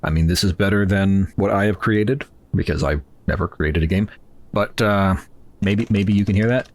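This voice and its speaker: A man narrates his way through a horror game, rambling and joking at his own expense as he reads the on-screen text aloud. His voice sits a touch low, with easy, casual pacing. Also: moderate pace. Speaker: gaming channel host. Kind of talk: casual let's play commentary.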